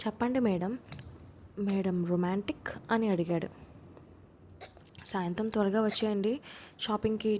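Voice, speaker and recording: Woman storyteller, mellow dark tone, lightly acted dialogue, faint hiss behind. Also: mid-range voice. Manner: reads all characters in her own voice, lightly acted. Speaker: audiobook narrator.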